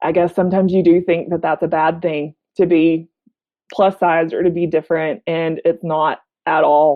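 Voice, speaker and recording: A woman with a Southern US accent, fairly low in pitch, at a moderate pace with monotone, flat intonation. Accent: Southern US, mild. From Alabama. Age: adult. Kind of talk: interview answer. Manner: matter-of-fact, confident.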